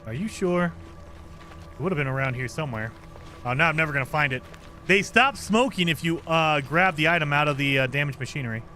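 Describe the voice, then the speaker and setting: A man streaming a game live, chatting casually and reading viewer comments, with a voice he calls high-pitched for a man. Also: brisk, faint music behind. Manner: chatty, lively, self-deprecating.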